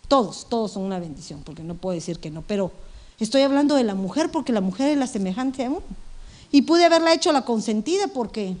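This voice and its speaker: Middle-aged lady pastor preaching, a bit high, talks right to the church. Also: fast talker. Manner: lively preaching, addresses the congregation directly. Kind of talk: sermon.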